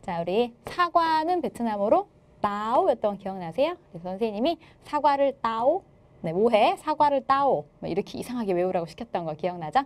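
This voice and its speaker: A woman teaching an exam-explanation lecture, lively and playful, joking with her students. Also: mid-range voice, fairly quick.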